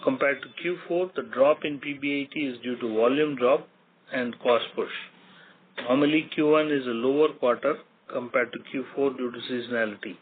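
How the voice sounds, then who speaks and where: Over a thin, phone-like line with clear noise, a man with an Indian accent speaks at a middling pitch. He delivers a formal scripted earnings presentation as a company executive, measured and factual, setting out one figure after another. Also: steady tone.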